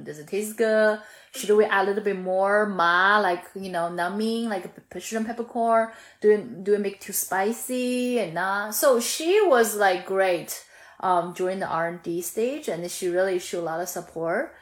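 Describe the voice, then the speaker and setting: A woman's voice: medium pitch, reverberant. A woman in her thirties from Chongqing with a Chinese accent, chatting eagerly as a founder in an interview, restarting her sentences and filling gaps often. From Chongqing, China. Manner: lively, frequent fillers and restarts. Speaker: sauce brand founder, guest. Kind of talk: casual interview conversation.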